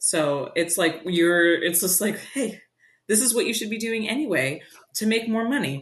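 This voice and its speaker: A somewhat breathy woman at a moderate pace, medium in pitch with lively intonation. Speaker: podcast co-host. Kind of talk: casual chat. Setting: video call.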